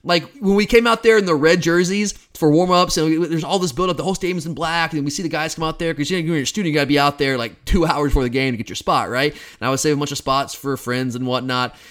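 A man in his thirties hosting a sports podcast, talking in an excited, emphatic way with frequent restarts. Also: a little high, quick pace, few pauses. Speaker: podcast host. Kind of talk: casual sports podcast monologue.

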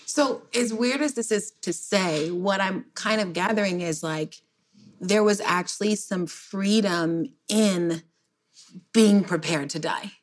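A woman hosting an interview who asks thoughtful, probing questions in a relaxed conversational way. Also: medium pitch, takes it slowly.

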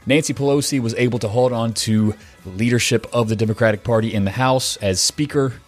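A man's voice: medium pitch, fairly quick, faint music behind. Congested, nasal-sounding male podcast host. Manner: rambling, chatty, with fillers and self-corrections. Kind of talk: casual podcast intro monologue.

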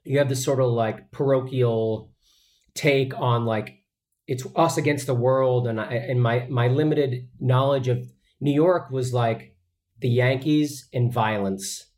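A man from the Boston area, a voice actor guest, telling stories in a relaxed, reflective and rambling way. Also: mid-range voice. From Boston area, USA. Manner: reflective, rambling, many fillers and restarts. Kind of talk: relaxed storytelling in an interview.

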